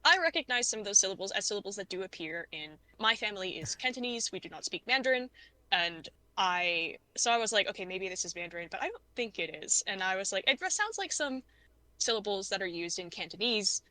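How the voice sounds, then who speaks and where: A woman chatting as a podcast guest, retelling her reactions in a lively way with many quoted asides. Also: mid-range voice, a little fast, dry recording, rough recording. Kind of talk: casual conversation about films.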